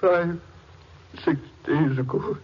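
A man playing a wounded, grieving older farmer in a 1950s radio drama, strained and halting. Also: on the high side. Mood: bitter, weak. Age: older, fifties or sixties. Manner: halting, drawn-out phrases. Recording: dull lo-fi old radio recording.

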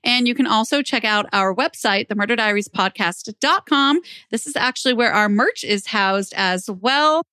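A woman's voice: fairly high pitch, normal speed, hardly any pauses, pushed and bright, smooth, dry recording. A young woman hosting a true crime podcast, reading scripted narration into a close microphone. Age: young adult. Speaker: podcast host.

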